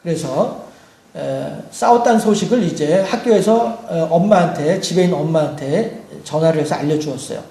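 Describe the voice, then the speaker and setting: A male pastor delivers a sermon in a high voice that rings through an echoey church room. He tells stories, acts out the people in them, and builds to shouted peaks. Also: normal speed, gravelly. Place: church sanctuary.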